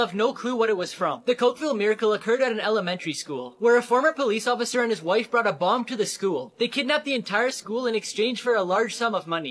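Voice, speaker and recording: A man's extremely high pitch at a very fast pace. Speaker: short video creator. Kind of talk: casual fact commentary and comedy skits. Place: home room. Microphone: phone near.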